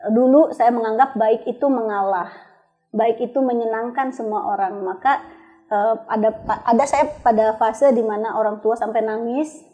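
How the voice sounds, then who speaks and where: A woman's voice: a little high, warm tone. A woman guest telling her life story in a thoughtful, searching way with small restarts. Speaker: interview guest. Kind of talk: reflective conversational storytelling.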